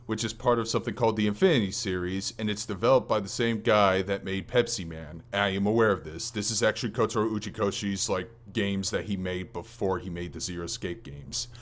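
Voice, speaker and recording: A man's voice: on the low side, brisk, hardly any pauses. A man hosting a gaming podcast in casual conversation, talking in a hesitant, rambling way and often correcting himself mid-sentence. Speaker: podcast host.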